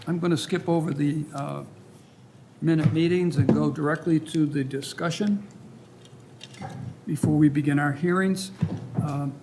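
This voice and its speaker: A man's voice: a little high, steady tone, measured pace, gravelly, long pauses. A man chairing a public meeting in a semi-formal way, in a town hall meeting room. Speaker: commission chair. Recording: meeting room with faint noise.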